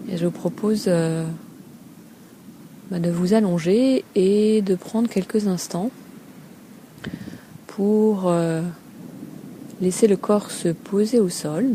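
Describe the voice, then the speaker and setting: Outdoors beside a calm sea, a female Feldenkrais teacher with a lowish voice improvises a guided body-scan relaxation lesson, gentle and unhurried, leaving hesitant pauses between short phrases. The audio is poor, with steady seaside ambience and the occasional seagull behind her.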